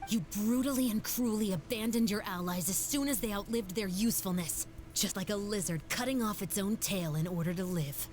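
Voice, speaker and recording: A woman's voice: medium pitch, a little fast, a little mellow, natural voice. An actress voicing a stern, no-nonsense female officer in a video game, curt and commanding. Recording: game music underneath.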